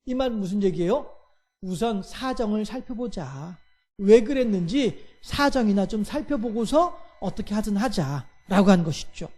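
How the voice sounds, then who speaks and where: A man preaching a Wednesday church sermon. He keeps asking the congregation rhetorical questions and fills his pauses with a steady "yes". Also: sits high. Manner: acts out everyday quarrels in lively voices. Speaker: pastor.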